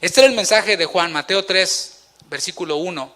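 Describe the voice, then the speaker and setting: A man's voice: high voice, normal speed, pushed and bright. A man preaching a sermon as pastor in a church, asking rhetorical questions and acting out the quotes he tells.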